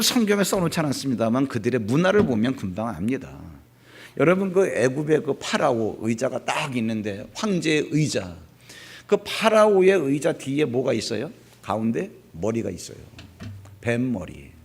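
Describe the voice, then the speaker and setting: Husky, lively male pastor preaching. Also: medium pitch. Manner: animated storytelling, acting out scripture scenes. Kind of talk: sermon.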